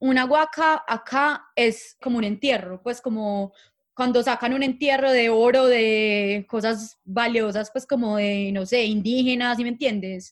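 A woman with an ordinary speaking voice, fairly high pitch and fairly even intonation, a fairly slow pace with hardly any pauses, on a very clean recording with a silent background. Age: 20s. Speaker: podcast host. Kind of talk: casual chat.

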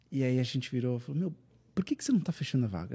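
The voice has a dark, mellow tone, is somewhat breathy, and moves at a very fast pace. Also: man. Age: 30s. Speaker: podcast host, recruitment executive. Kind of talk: podcast interview.

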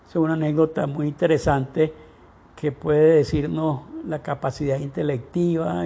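Somewhat breathy, with a dark, mellow tone, a fairly high-pitched man speaks at a very slow pace with ordinary pitch variation. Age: 80s+. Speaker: family storyteller. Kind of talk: personal memoir recording.

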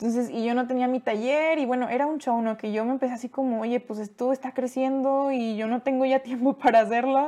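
Her tone is dark and mellow, with a high pitch. The woman keeps a fairly quick pace and fairly even intonation. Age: 20s. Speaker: graphic designer. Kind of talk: casual monologue.

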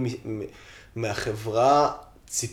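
This man's voice is somewhat breathy. His pitch shows ordinary variation. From Belarus, immigrated to Israel at age 6. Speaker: podcast host. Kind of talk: casual conversation interview.

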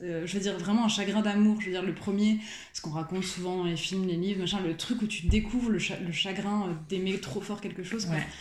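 A very fast pace over noticeable background noise. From western France, near Nantes. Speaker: author and singer. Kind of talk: casual interview. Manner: halting.

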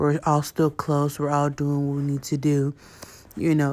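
Speech unfolds at a moderate pace in a very clean recording where the background is silent. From Houston, Texas (Nigerian Yoruba family). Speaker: podcaster. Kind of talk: personal storytelling monologue. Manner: casual, conversational with many fillers.

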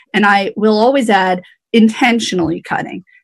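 A woman speaks at a moderate pace with ordinary pitch variation. Hers is an unremarkable speaking voice. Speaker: city planning director. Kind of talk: public budget meeting. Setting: video call.

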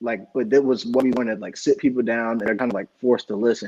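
A man talks in an unremarkable speaking voice with fairly even intonation. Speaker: musician. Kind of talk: casual interview.

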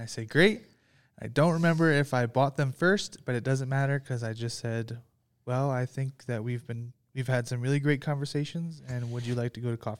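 A man at medium pitch talks at a fairly quick pace with ordinary pitch variation, in an ordinary speaking voice on a very clean recording with a silent background. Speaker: guest. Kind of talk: casual chat.

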